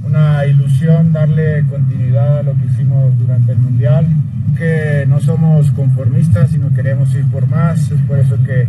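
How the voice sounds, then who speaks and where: A man's voice: mid-range voice, far from the mic, very noisy. Man addressing fans, tinny, outdoors. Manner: earnest, halting speech. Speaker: national team coach. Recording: phone-like audio recorded outdoors.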